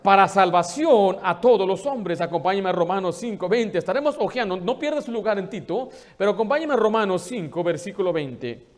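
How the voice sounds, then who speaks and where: A man's voice: high-pitched, expressive, a little fast, few pauses. A man preaching a sermon as pastor, asking rhetorical questions and quoting scripture.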